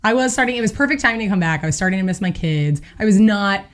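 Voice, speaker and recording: Hoarse, chatty Midwestern woman. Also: mid-range voice, expressive, fast. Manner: chatty, storytelling with lots of fillers. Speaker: podcast co-host. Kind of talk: casual chat.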